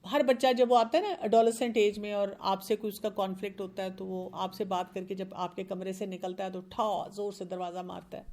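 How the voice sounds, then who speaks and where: A woman's voice: medium pitch, darkish tone. A middle-aged woman, a parenting expert, earnestly explaining discipline with examples from her own children and mixing in English words. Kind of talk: advice talk on a show.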